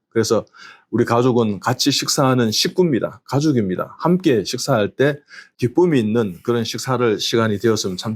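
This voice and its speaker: A man's voice: medium pitch, a little mellow. A middle-aged man, a doctor, giving a health lecture and earnestly urging his listeners directly. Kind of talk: lecture to an audience.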